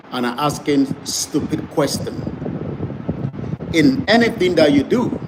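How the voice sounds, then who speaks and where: Male web broadcaster, emphatic campaigning delivery, noisy recording. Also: a little high. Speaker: online broadcaster. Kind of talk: advocacy broadcast. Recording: noisy background.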